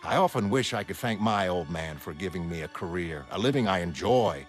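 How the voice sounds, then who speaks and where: A man's voice: low-pitched, lively intonation, brisk. A man playing a genial, self-deprecating older retired hero, nostalgic and folksy. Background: music.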